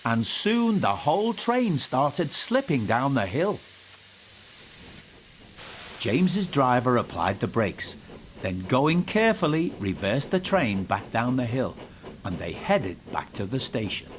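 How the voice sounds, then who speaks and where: A man narrating a scripted children's story in an animated, expressive manner. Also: mid-range voice, takes it slowly, slight background noise.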